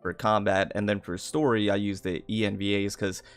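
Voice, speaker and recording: A man's voice: fairly low pitch, flat delivery, normal speed, soft background music. A man hosting a casual livestream discussion, speaking steadily and agreeably, asking his guest questions. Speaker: livestream host.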